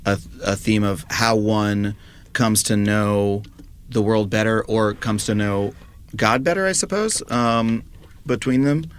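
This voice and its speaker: A man's voice: fairly low pitch, takes it slowly, clean tone. A man interviewing in a casual, conversational way, hesitant and agreeable as he feels out his thoughts.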